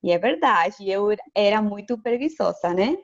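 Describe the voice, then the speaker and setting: A woman's voice: mid-range voice, expressive, moderate pace, muffled recording. A woman from Chile with a Chilean Spanish accent and Spanish as her first language, speaking Portuguese carefully and hesitantly as an interview guest, laughing often. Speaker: interview guest, education lecturer. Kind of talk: casual video call interview.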